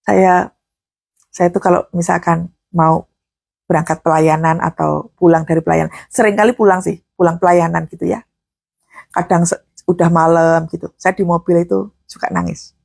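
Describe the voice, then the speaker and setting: A woman's voice: fairly low pitch, fairly even intonation, normal speed, vocal fry, darkish tone, husky, dry recording. A woman preacher giving a sermon in a conversational, folksy way, moving between teaching and fervent prayer.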